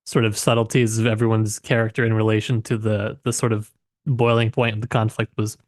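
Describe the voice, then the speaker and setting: A man's voice: fairly low pitch, level tone, a little fast, no echo, studio quality. A man co-hosting a book podcast in casual conversation, tentative and searching for words as he works through his thoughts. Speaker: podcast co-host discussing a novel.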